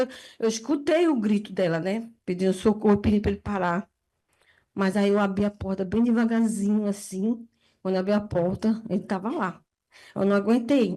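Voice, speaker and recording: A woman telling a painful personal story in plain everyday speech, often checking in with short tag questions and her voice lifting when she quotes herself. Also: dark tone. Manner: emotional retelling, pitch rising in quoted speech. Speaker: woman giving a testimony.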